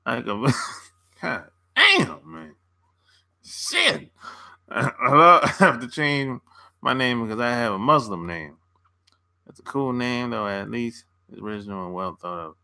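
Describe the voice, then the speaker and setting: A man's voice: mid-range voice, sing-song, a little slow, vocal fry, long pauses, bright, forceful tone. A man hosting a casual livestream, answering viewer comments in a laid-back, slangy way and laughing often between remarks. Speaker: dating coach and channel host.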